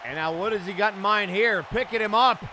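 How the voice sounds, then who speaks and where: A man giving live play-by-play wrestling commentary with excited, exclamatory calls. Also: high-pitched, brisk. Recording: noisy event audio with loud crowd. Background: crowd and arena noise.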